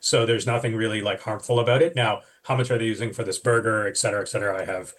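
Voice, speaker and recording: A man's voice: on the low side, fairly even intonation, fast talker, a bit bright. A man, a physician guest on a radio panel, explaining a medical topic in a thoughtful way with fillers and restarts.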